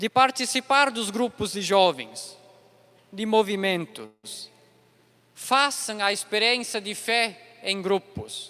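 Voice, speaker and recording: Over noticeable background noise, a man speaks very slowly in a raised, projected voice. His pitch is high, with ordinary pitch variation. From southern Brazil, Paverama (Rio Grande do Sul). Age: 20s. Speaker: seminarian. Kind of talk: homily.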